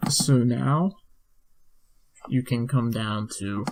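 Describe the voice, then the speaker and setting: A man's medium-pitched voice at a very slow pace with ordinary pitch variation. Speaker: online tutorial creator. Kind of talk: tutorial. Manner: slow-paced; casual, with filler words.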